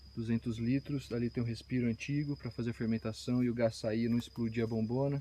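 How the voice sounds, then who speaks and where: A man's dark, mellow voice in a flat monotone at a moderate pace. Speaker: agroecologist. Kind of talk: live demonstration. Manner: casual, conversational; speaking softly.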